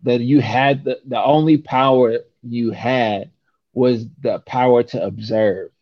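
A man's voice: mid-range voice, fairly even intonation, takes it slowly, dry recording, lo-fi sound. A young man from San Francisco, talking casually and emphatically, often ending points with a rhetorical "right?". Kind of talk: casual conversation.

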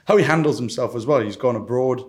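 A man's voice: mid-range voice, fast talker. A man with a Cardiff Welsh accent, chatting casually as a guest on a sports podcast. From Cardiff, Wales. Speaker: podcast guest, football fan leader. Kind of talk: casual chat.

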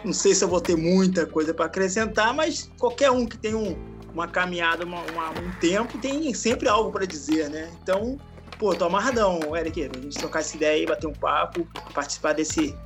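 A man in his late forties with a Rio de Janeiro Brazilian accent, telling his story as a podcast guest in a relaxed way, full of slang and laughter. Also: high-pitched, brisk, music in the background. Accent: Rio de Janeiro Brazilian Portuguese. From Araruama, Rio de Janeiro state, Brazil. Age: 40s. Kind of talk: casual storytelling interview.

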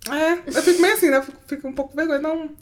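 A young woman from Brazil chats at a fast clip. Her voice sits high, and she piles up casual fillers as she tells everyday stories. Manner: rapid storytelling with fillers like tipo and véi. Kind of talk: casual chat.

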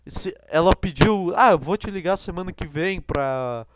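A man's voice: high voice, lively intonation, moderate pace, dry recording. A young man hosting a podcast, telling a rambling, self-deprecating story with many restarts into a close mic. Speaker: podcast host. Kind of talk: casual monologue.

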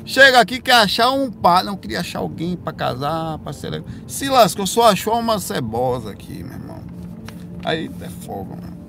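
A Brazilian man, hosting a casual live stream, answering viewer comments in a rambling, self-correcting way with animated bursts. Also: high voice, moderate pace, gravelly, noisy background. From Brazil, raised in Bahia. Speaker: livestream host answering viewer questions.

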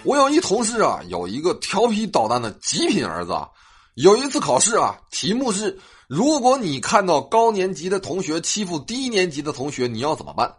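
A young man, hosting a comic storytelling monologue with a sing-song delivery and drawn-out particles. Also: high-pitched, huge pitch swings. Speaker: host.

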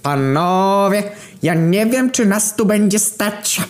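A man doing a shrill, fretful fussy man. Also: expressive. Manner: high and drawn-out. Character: fussy high-voiced man fretting over money.

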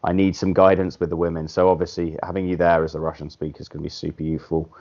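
A man hosting a podcast in casual chat, blunt and animated, swearing casually as he makes his points. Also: sits low, rapid-fire. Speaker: podcast host. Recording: dull lo-fi podcast audio.

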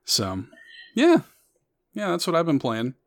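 A man's voice: on the high side, huge pitch swings, measured pace, dry recording, studio quality. A man hosting a podcast, chatting casually and rambling with lots of fillers. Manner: rambling, many fillers, upbeat. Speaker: podcast host.

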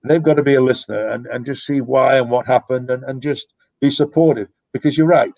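A middle-aged man who coaches youth soccer joins a casual podcast conversation as a guest, reflective and meandering, rambling and restarting his sentences. His medium-pitched voice is brisk and fairly even, with vocal fry and a darkish tone. The podcast mic captures him close and dry, with no echo and a dull sound.

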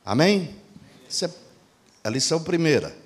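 A man's voice: very animated, normal speed. A preacher man asking and answering. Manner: asks the congregation rhetorical questions and answers them; acts out quoted dialogue with shifts in pitch and pace. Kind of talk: sermon.

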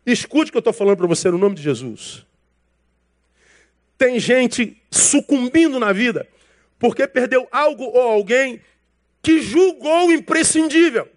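A man delivers a sermon as a pastor, in a notably high voice. He keeps it casual and slangy and addresses the congregation as brother. He acts out conversations from his anecdotes. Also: lively intonation, unhurried. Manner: casual, slangy preaching that calls listeners brother; acts out dialogue from his stories.

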